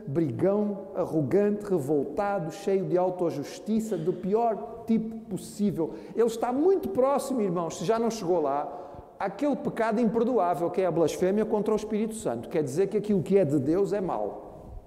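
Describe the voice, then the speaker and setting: Preaching a sermon in a church hall, a pastor with a Brazilian Portuguese accent earnestly addresses his listeners as brothers. His high, mellow voice is expressive and moderately paced, and the hall gives the recording a long, echoing reverb.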